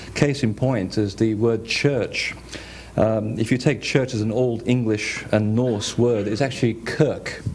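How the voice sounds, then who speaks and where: A man of medium pitch is speaking. Music plays in the background, and room echo is audible. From Portugal. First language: Portuguese. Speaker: lecturer on crop circles. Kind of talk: lecture. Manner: halting, many fillers.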